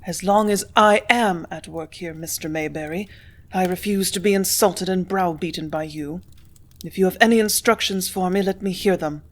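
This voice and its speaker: A woman reading the part of a composed young office clerk who answers quietly, firmly and tartly. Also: fairly low pitch, moderate pace, lightly acted. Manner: quiet, firm, tart.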